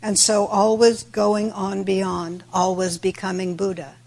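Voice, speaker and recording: A woman with a raspy voice, a little worn today, giving a reflective Buddhist dharma talk in measured, deliberate phrases. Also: mid-range voice, little pitch movement, a little mellow. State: raspy voice today with throat clearing. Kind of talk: sermon, reflective religious talk.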